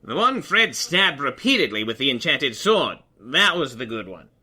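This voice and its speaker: A woman's voice: very deep voice, big pitch swings, normal speed, bright, forceful tone, slightly rough, full character voice. A woman playing a pompous, silly, melodramatic royal in a fantasy audio comedy, with a grand, hammy delivery. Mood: insistent. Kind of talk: audio drama comedy acting.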